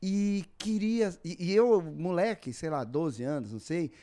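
A Brazilian voice actor with a high voice speaks a little slowly in a casual podcast chat. He's an animated storyteller who laughs often as he shares his stories.

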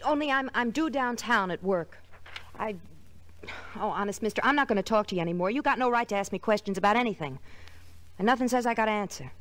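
A woman's voice: fairly high pitch, fast, a bit bright, close to an everyday voice. Snappish, evasive young showgirl, played by an actress. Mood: annoyed, defensive. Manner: curt, defensive, snappish. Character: brusque, evasive young blonde burlesque showgirl. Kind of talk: 1940s radio drama acting.

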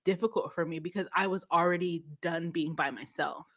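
A woman's voice: lowish voice, steady tone, brisk, fairly bright tone. A woman, chatting casually as a podcast guest, laughing often and trailing off mid-sentence. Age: 30s. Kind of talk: casual chat.

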